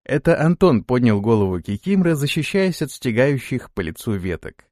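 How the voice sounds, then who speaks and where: A man narrating an audiobook with expressive storytelling. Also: mid-range voice, normal speed, dry recording, clean studio sound. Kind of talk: scripted narration.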